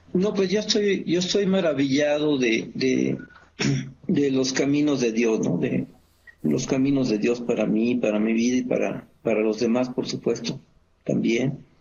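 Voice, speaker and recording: A man talks in a normal speaking voice at medium pitch and a fairly slow pace. His intonation is lively and his loudness very even. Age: 60s. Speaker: Bible study participant. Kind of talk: personal testimony.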